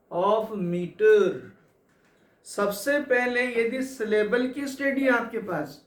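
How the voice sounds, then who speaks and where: A man teaching English literature for exams, explaining slowly and repeating key points to his students. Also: sits high. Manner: slow, repetitive explaining, addresses students as kids. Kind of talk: exam coaching lecture. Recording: echoey room.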